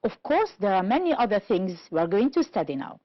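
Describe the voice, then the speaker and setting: A woman teaching an English pronunciation lesson on television, explaining slowly and deliberately and checking understanding with questions. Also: mid-range voice, big pitch swings, dry recording. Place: TV studio. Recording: dull, lo-fi dry studio sound.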